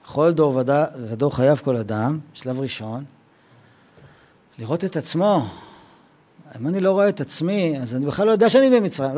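A man's voice: a little high, darkish tone. A man giving a Passover Torah lesson in a conversational, slangy way, acting out both sides of imagined conversations. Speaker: Torah teacher. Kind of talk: Passover lesson with acted dialogue.

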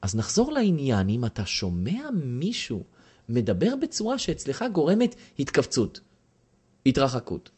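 A man's voice: mid-range voice, huge pitch swings, a little mellow, husky. A man giving a lecture to a class and asking the audience questions. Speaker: teacher.

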